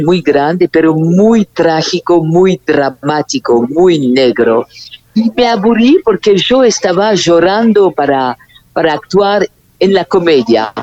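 A woman with a very low voice for a woman, a guest speaking on a remote call, rambling with many restarts and tag questions. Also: a little mellow. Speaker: guest performer. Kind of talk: remote interview over a call. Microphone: phone call. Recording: dull phone-line call, dry.

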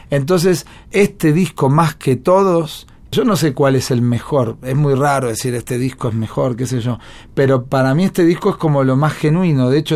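A man's voice: fairly high pitch, darkish tone. A man with an Argentine accent, a musician guest telling stories in a chatty, reflective way. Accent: Argentine Spanish. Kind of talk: casual interview talk.

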